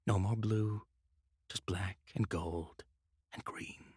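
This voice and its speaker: Eerie, mournful mad mage: low, very slow, riddling and repetitive, for fantasy audio fiction. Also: male voice, a little mellow, slightly rough, no echo, clean studio sound, exaggerated voice. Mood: brooding, menacing. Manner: broken, repetitive, riddling phrases. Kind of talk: dramatised audio fiction acting.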